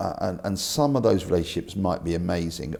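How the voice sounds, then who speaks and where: A man with a southern English accent speaks at a very fast pace, his very deep, low pitch paired with a dark, mellow tone. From England, Home Counties (Little Chalfont, Buckinghamshire). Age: 60s. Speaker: business founder. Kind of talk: interview.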